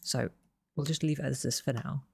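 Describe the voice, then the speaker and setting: Husky man, gravelly and losing his voice. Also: medium pitch, moderate pace, dry recording. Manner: relaxed, self-correcting explanations. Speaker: game development tutor. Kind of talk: screen-recorded coding tutorial.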